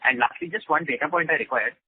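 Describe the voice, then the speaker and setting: A man speaking as a financial analyst, politely and haltingly asking long questions on an earnings call. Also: on the high side, husky. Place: telephone conference call. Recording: tinny narrowband telephone line.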